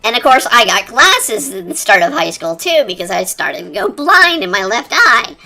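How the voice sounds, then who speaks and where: Chipmunk voice-changer streamer, bright and squeaky. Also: very animated, normal speed, vocal fry. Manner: rambling, chatty, lots of fillers. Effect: high-pitched chipmunk voice changer. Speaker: art streamer. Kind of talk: casual chat while drawing. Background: quiet cafe-style background music.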